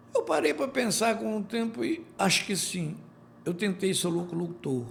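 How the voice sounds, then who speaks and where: Noticeable background noise sits behind a man with a high pitch. He speaks fairly slowly with lively intonation. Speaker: sports journalist. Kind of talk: podcast interview.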